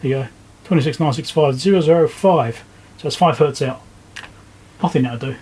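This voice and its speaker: A man's voice: on the high side, fairly quick, mellow, husky. A man talking casually and thinking aloud as he hosts a hands-on electronics repair walkthrough. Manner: informal, thinking aloud while working. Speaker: electronics repair video host. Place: indoor electronics workbench.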